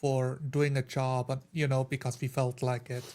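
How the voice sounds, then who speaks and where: A man chatting casually as a tabletop player, haltingly restarting his thoughts as he goes. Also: medium pitch, level tone, crowd noise. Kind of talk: casual group chat.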